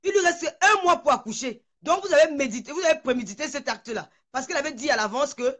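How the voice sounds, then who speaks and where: A woman's voice: high voice, animated, fast, fairly bright tone. A woman in a heated online video rant, furious and shaking with anger, hurling insults and stammering over repeated words. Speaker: social media personality.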